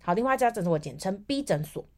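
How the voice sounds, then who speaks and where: A young woman with a Taiwanese Mandarin accent hosting a podcast, telling a story in a chatty, animated way and acting out the people she quotes. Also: medium pitch, rapid-fire. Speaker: podcast host. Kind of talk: casual storytelling monologue.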